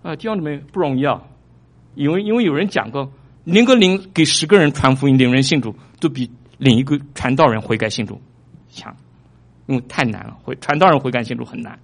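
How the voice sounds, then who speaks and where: A male pastor preaching a sermon, animated, surging louder for emphasis and repeating his phrases. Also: mid-range voice, a little fast. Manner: repeats phrases, small restarts.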